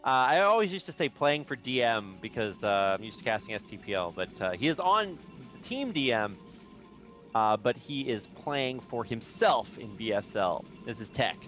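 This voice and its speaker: Male play-by-play caster, casual and upbeat, mid-pitched, faint music under the voice. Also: sing-song, moderate pace, fairly bright tone. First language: English, with Spanish as second language. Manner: chatty, upbeat, casual with many fillers. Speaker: esports caster. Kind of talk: live game commentary.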